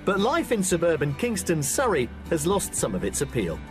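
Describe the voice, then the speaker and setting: A male TV presenter with a fairly high voice that rises and falls a lot as he narrates. His delivery is upbeat and scripted, with faint music playing underneath. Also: huge pitch swings, moderate pace. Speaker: TV property show presenter.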